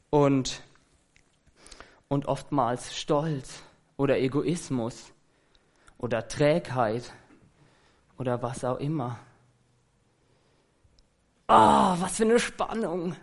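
A man's voice: mid-range voice, fairly even intonation, slow, long pauses. A man preaching an earnest, conversational sermon that he fills with rhetorical questions.

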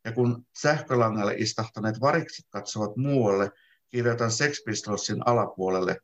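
A man reading his own literary text aloud in a calm, measured first-person narration. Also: fairly low pitch. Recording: dull lo-fi sound.

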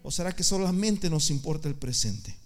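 Male preacher with a high voice, fervent and repetitive, climbing into shouts at his peaks. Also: expressive, moderate pace. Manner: impassioned, repeating words, building to shouts. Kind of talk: sermon.

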